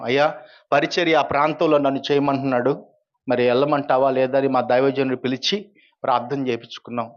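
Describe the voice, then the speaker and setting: Man, pastor, earnest testimony, mid pitch, dull lo-fi recording. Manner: earnest storytelling, rising when quoting others. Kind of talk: personal testimony.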